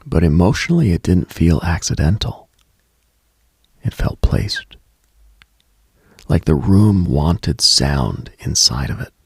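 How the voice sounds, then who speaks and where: A man hosts a late-night mystical radio show, close to the mic, sharing eerie, reflective stories in a hushed, halting, musing manner. His voice is gravelly, husky and breathy, sitting low with big swings in pitch. The recording has no echo.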